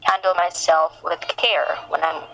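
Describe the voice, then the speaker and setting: A woman being interviewed as a podcast guest, speaking conversationally in a polite, reflective, measured way. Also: on the low side, little pitch movement, gravelly, fairly bright tone, a little hiss or hum, rough recording.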